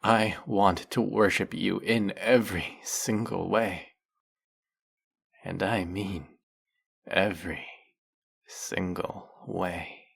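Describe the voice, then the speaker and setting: A man's voice: low-pitched, vocal fry, breathy edge, exaggerated voice. A man playing a devoted, flirty demon familiar in a fantasy audio drama, grandiose and reverent in manner. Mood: eager, flirty. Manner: grandiose, theatrical, reverent, obsequious.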